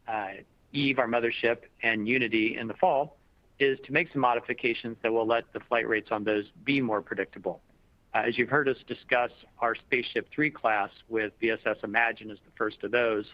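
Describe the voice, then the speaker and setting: A man speaking as a company executive, answering questions in a measured, diplomatic and explanatory way in a semi-formal business style. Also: mid-range voice, dry recording. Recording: dull lo-fi conference call audio.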